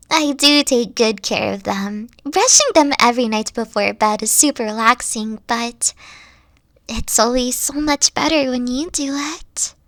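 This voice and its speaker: A woman voicing a gentle, insecure young three-tailed kitsune girlfriend in an ASMR roleplay, speaking softly with frequent whispers and sighs. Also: high-pitched, no echo, studio quality, exaggerated voice. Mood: tender, affectionate. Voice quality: soft, whispery, sighing. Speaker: team lead.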